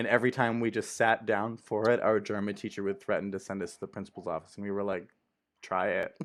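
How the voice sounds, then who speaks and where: A man with an American accent talks very fast at a fairly low pitch, his intonation monotone and flat. The recording is very clean with a silent background. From Texas. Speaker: read-aloud show host. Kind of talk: casual chat.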